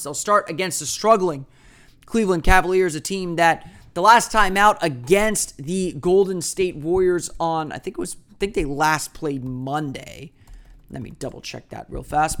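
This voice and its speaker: A man hosting a daily sports podcast, talking in a chatty, rambling way with asides. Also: a bit bright. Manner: puts on a booming radio voice for the intro.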